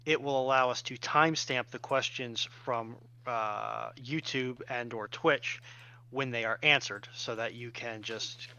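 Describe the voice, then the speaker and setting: Bright-voiced man on dull lo-fi call. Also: mid-range voice, steady tone, a little slow, clear, resonant tone. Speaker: stream tech moderator. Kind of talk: explanatory announcement.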